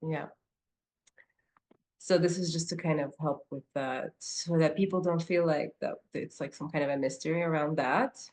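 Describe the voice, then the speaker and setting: A woman's voice: low voice, steady tone, normal speed, a little mellow. A woman co-hosting a podcast, searching for words with many fillers. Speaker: podcast co-host. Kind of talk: casual conversational podcast.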